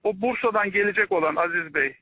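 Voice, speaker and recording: A man's voice: high voice, fast talker, sharp tone. A man speaking formally and respectfully, reporting with deference over a landline phone. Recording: tapped landline phone call.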